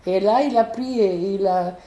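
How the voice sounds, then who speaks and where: A woman with a foreign accent, telling a personal story in an animated, hesitant way, full of restarts. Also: mid-range voice, moderate pace. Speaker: interviewee, neighbourhood resident. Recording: roomy echo.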